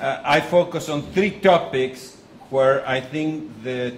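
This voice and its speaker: In an Argentinian accent, a man speaks with ordinary pitch variation amid noticeable background noise and audible room echo. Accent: non-native, Argentinian. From Argentina. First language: Spanish. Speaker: economist, conference speaker. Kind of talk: lecture. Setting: conference, audience.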